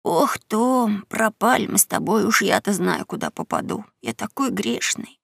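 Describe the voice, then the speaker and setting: A woman voicing a frightened young boy who talks in hushed whispers, in an audiobook reading. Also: mid-range voice, wildly swooping pitch, normal speed, gravelly, husky, no echo, clean studio sound, full character voice. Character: scared boy whispering at night.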